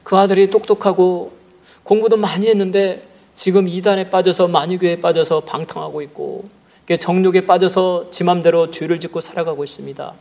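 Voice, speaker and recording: A man's voice: high-pitched, fairly even intonation, a little fast, vocal fry, darkish tone. A man voicing Monica, a mother tearfully pleading for her wayward son, in his own voice.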